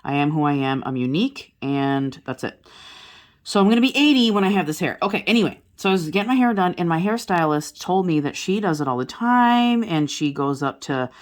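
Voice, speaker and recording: Low-voiced rambling woman in her forties. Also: lively intonation, brisk. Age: 40s. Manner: rambling, many fillers and restarts. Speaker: diamond painting vlogger. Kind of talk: casual chat to viewers while crafting.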